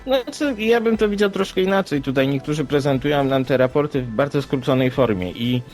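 A man co-hosting a podcast, discussing reports conversationally in a halting, hesitant way with filler words. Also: mid-range voice, lively intonation, a little mellow. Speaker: podcast co-host. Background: background music.

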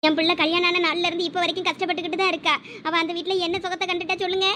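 High-pitched, rapid-talking woman. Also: level tone, sharp tone, slight background noise. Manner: pleading, emotional family-quarrel delivery. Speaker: skit performer voicing several village women. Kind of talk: village family comedy skit acting.

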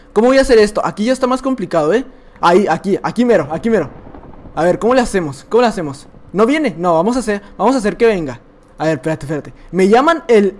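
A young man with a Mexican accent giving excitable, chatty live gameplay commentary, repeating phrases and laughing often. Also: sits high. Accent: Mexican Spanish. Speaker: gaming YouTuber.

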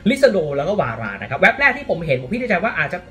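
A man from Thailand giving casual, animated football commentary, often exclaiming, with faint music behind him. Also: sits high, racing.

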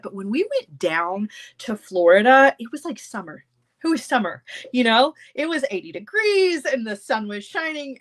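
A woman in her thirties with a stuffy, congested voice, chatting casually with viewers from her home craft room. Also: mid-range voice. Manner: chatty, animated, gestures with hands. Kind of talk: casual live chat with viewers.

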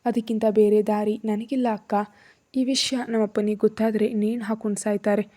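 Scared young student read by a woman narrator, soft pleading tone, mellow voice. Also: mid-range voice, flat delivery, moderate pace, natural voice. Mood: tearful.

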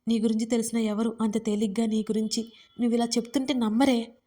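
A woman's voice: on the high side, little pitch movement, fairly quick, close to an everyday voice. Woman voicing a distraught, tearful young woman. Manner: tearful, pleading, shouting. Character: distraught young woman, pleading and scolding her friend.

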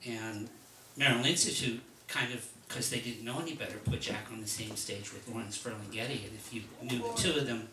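A man telling a lively, laughing anecdote at a live reading, then reading a poem aloud. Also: medium pitch, fairly quick, slight background noise. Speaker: poet reading at a book release. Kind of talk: storytelling and poetry reading. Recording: roomy, distant mic at a live reading.

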